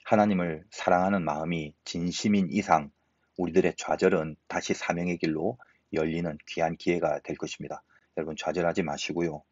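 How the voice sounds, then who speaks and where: A man's voice: deep voice, steady tone, brisk, dry recording, muffled recording. A pastor in his fifties preaching an earnest sermon, asking the listeners rhetorical questions.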